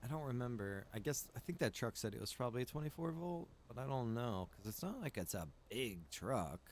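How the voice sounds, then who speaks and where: Guy streaming a game, mid pitched voice, just musing out loud and cussing casually, some noise in the background. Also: big pitch swings, brisk. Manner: musing aloud, swears casually. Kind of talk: casual gameplay livestream chat.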